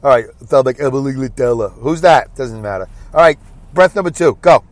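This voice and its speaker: A man's voice: medium pitch, animated, a little fast, dry recording. A stuffy-nosed man hosting his own podcast, chatting casually and self-deprecatingly while driving in traffic. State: congested, stuffy nose. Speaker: podcast host. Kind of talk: solo rambling podcast monologue.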